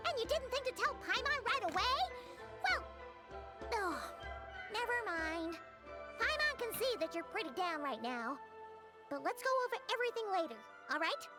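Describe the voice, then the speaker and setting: Tiny floating fairy sidekick, very high childlike voice, chirpy, swooping expressive delivery, game dialogue, music behind. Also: female voice, moderate pace, pauses often. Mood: surprised, indignant, then concerned. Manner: chirpy, expressive, refers to self by name. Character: small floating childlike fairy companion, excitable, talks in third person. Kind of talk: video game character acting.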